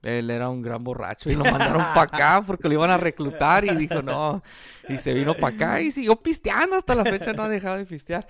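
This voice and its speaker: Male podcast co-host, Los Angeles Mexican-American accent, slightly high creaky voice, loose profane banter. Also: very animated, brisk, a bit bright. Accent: Los Angeles Mexican-American Spanish. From Los Angeles, United States. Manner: slangy, profane, with bits of English. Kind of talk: casual bantering chat.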